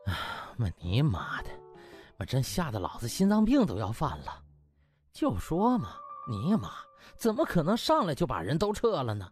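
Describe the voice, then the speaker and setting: A man's voice: mid-range voice, wildly swooping pitch, normal speed, soft background music. A man voicing crude, blustering male doctors who grumble and swear in a comic audiobook. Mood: indignant relief.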